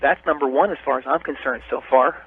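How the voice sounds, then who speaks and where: A man's voice: mid-range voice, fairly quick, slightly rough. Give me a needling man caller heard over a radio phone line. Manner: teasing, needling, mock-bossy. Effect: voice heard over a phone line on a radio broadcast. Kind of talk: call-in radio banter.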